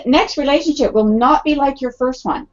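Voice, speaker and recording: A middle-aged woman with a high-pitched voice talks at a moderate pace during a casual panel discussion. She's chatty, uses plenty of fillers, and acts out quoted thoughts. The audio is muffled and lo-fi.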